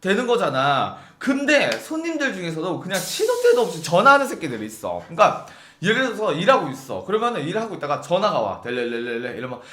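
A man's voice: high-pitched, huge pitch swings, fast talker, bright, forceful tone, echoey room. A young man telling a comic story about his past job, acting out both sides of phone calls and swearing freely.

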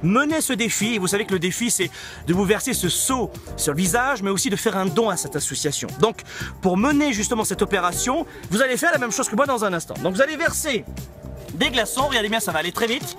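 High-pitched, very animated man over music. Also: fast. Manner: emphatic, rhetorical questions, repeats key phrases. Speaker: coach and company founder. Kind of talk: motivational talk to camera. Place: outdoors in a park. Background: background music.

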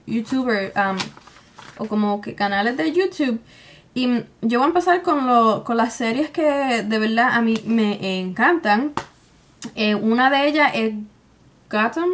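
A young woman with a Puerto Rican Spanish accent chats casually to camera, informal and colloquial, dropping in English words. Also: a little high. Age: young adult. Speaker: beauty vlogger. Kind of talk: casual chat to camera, answering tag questions. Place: small room at home, indoors.

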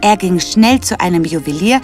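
A woman's voice: on the low side, lively intonation, normal speed. Female storyteller, scripted fairy-tale narration, music underneath.

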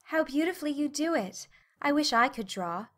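Woman as a high-voiced, earnest young woman. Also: animated, moderate pace, pushed and bright, exaggerated voice. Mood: wistful. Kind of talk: audiobook character dialogue.

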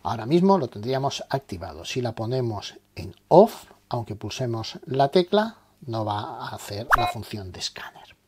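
Over background noise, a very animated man with a medium pitch and normal speed walks through a tutorial step by step. He explains the terms he uses and poses questions that he promptly answers, in a clearly didactic style.

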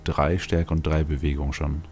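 Very deep, gravelly-voiced man commentating a game. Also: flat delivery, normal speed, a little mellow. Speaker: let's play host. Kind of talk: casual video game commentary. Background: game music.

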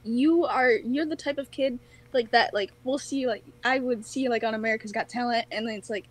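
Woman, high voice, effusive and slangy, casual video-call chat. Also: fairly quick, poor audio. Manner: gushing, slangy, emphatic praise. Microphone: computer mic on a video call.

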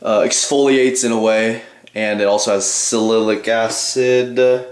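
Male vlogger, twenties, lowish voice, offhand and informal, casual rambling delivery, echoey small bathroom sound. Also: steady tone, unhurried. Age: 20s. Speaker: bodybuilding vlogger. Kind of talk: casual rambling vlog to viewers. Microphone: handheld camcorder at arm's length.

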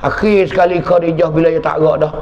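Gravelly high-voiced Pattani Malay preacher. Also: male voice, steady tone, fairly quick, a little mellow. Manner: repetitive, dramatic storytelling. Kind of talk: storytelling sermon. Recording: echoey hall, dull lo-fi sound.

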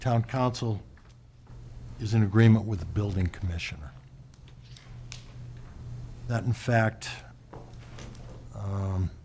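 This is a man reporting to a public meeting as a board member. His voice is on the low side and very mellow, and he explains things in a formal, procedural way. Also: fairly even intonation, takes it slowly, pauses often, slight background noise. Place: small public meeting room.

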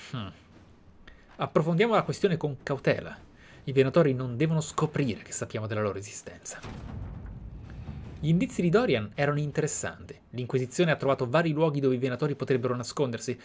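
A man with an Italian accent commentating on a video game, with theatrical delivery and reflective asides. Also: mid-range voice. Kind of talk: game commentary with read-aloud in-game letters.

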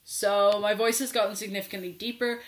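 A man's voice: high-pitched, little pitch movement, a little fast. A sixteen-year-old trans man, chatting candidly to his laptop camera from a small bedroom, with lots of fillers. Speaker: vlogger. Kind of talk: casual update to camera. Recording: echoey small room.

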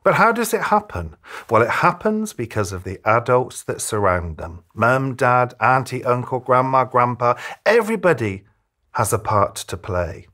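A man in his fifties giving advice to camera as a children's author, speaking emphatically like a storyteller, with deliberate pauses. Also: medium pitch, very animated, bright, forceful tone. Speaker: children's author giving reading tips to parents. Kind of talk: direct-to-camera advice talk, presentational. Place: small furnished room, indoors.

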